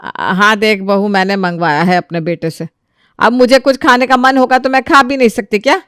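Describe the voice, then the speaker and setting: A woman voicing a bossy elderly grandmother who scolds and hushes her grandson in a storybook tale. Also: mid-range voice, fairly even intonation, normal speed, smooth, no room sound, studio quality, close to an everyday voice. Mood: defensive. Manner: bossy, hushing, sharp scolding. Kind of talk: storybook voice acting.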